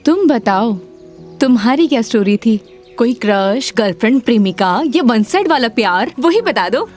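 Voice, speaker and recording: A woman's voice: fairly high pitch, animated, normal speed, a little mellow, faint music behind, natural voice. An actress playing a chatty, playful woman who asks curious questions.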